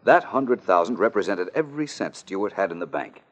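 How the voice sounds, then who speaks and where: An actor playing a confident, clever male detective who reasons things through crisply, in 1940s radio acting. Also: low-pitched, expressive, a little fast. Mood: explaining. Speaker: amateur detective. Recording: dull old radio broadcast.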